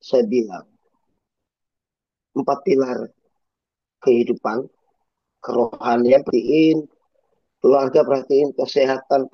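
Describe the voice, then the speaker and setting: A man preaching as a pastor, in a lively, chatty way full of rhetorical asides. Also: mid-range voice, slightly rough, dry recording. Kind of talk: sermon. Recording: dull muffled sound.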